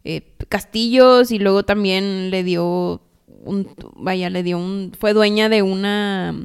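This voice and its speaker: A podcast co-host with a mid-range voice speaks slowly and steadily in a clean tone. In casual storytelling chat, she retells history as chatty, dramatic gossip full of asides.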